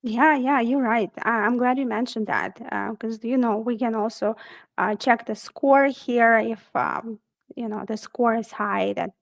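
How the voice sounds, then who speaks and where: Creaky-voiced woman presenting a tech lesson. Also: mid-range voice, no room sound. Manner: casual, friendly, frequent ums and laughs. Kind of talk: technical webinar presentation.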